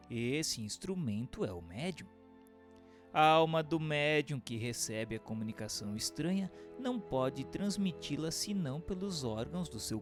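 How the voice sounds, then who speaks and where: Expressive Brazilian man narrating formally. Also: on the high side. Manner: formal, didactic. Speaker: narrator and questioner. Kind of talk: scripted narration, formal reading of spiritist text. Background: music.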